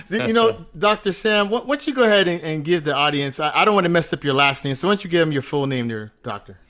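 A man's voice: fairly high pitch, animated, fast, sharp tone. A man hosting a Christian talk show, introducing his guest with upbeat, hype-man energy. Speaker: show host.

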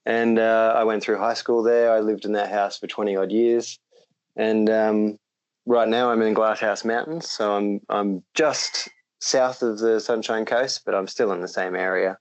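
A man's voice: on the low side, measured pace, muffled recording. A young Australian man talking casually as a podcast guest, rambling with lots of ums and easy laughs. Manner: relaxed, rambling with many ums, laughs easily.

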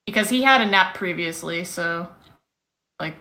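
A woman's voice: lowish voice, moderate pace, pushed and bright. A woman playing a tabletop game, talking casually with the group.

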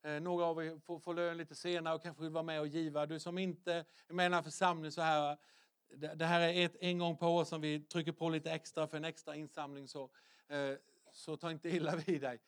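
A middle-aged man preaching a sermon in a conversational way, with many restarts, sometimes dropping to a soft, hushed voice for emphasis. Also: on the high side, level tone, clear, resonant tone. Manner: conversational, repetitive restarts, drops to soft near-whisper for emphasis. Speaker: pastor.

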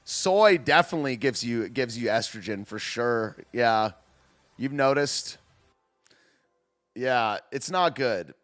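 A man's voice: mid-range voice, lively intonation, slow, a bit bright, soft background music. A man with a slight lisp hosting a casual reaction stream, rambling and scoffing, peppering his talk with "dude" and "man". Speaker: streamer host.

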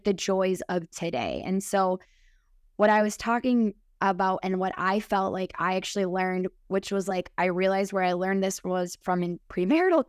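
A woman's voice: mid-range voice, smooth, no room sound, studio quality. A woman in her early thirties with an American Midwest accent, reflecting casually and earnestly as a podcast guest, often dropping in "like". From Minnesota, United States. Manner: earnest, filler-heavy with frequent "like". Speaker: podcast guest, sober group leader. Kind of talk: casual personal reflection in conversation.

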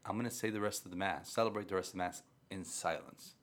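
This man's voice sits low and a bit bright, moving fast with fairly even intonation. He's a Catholic priest raised speaking Spanish, giving a conversational religious talk and repeating phrases to drive points home.

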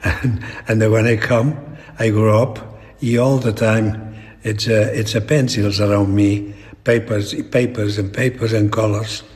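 A very old man with a Spanish accent, talking reflectively in an interview in halting, broken English with repeated words. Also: on the low side, flat delivery, a little mellow. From Spain. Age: elderly. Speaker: painter being interviewed. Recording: long echoing reverb in a hall.

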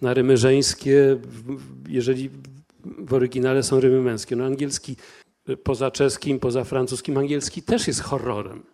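A man's voice: medium pitch, level tone, moderate pace, creaky, mellow. A man, a translator on a discussion panel, answering questions thoughtfully with restarts and fillers.

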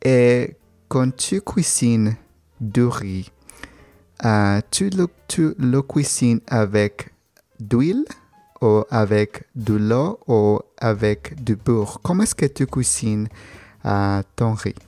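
A man whose first language is not French, asking questions in a halting way, repeating himself and correcting his own words. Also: medium pitch, expressive, mellow, no echo, soft background music. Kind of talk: casual conversation practice.

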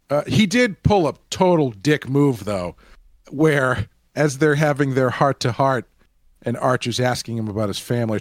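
Animated, jokey male podcast co-host. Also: mid-range voice, no echo, studio quality. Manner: animated, jokey, acts out quick character bits. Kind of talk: casual chat.

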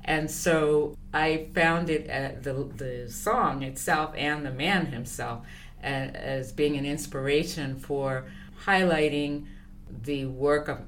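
An older woman speaking as an interview guest, answering in a thoughtful, measured way with fillers and pauses. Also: extremely low pitch, a little hiss or hum. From born in Liberia, raised abroad. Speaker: guest, consultant.

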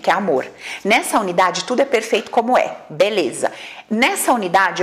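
A woman teaching a class as a therapist, blunt and emphatic, firing off rhetorical questions and swearing casually. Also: mid-range voice. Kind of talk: spirited lecture to an audience.

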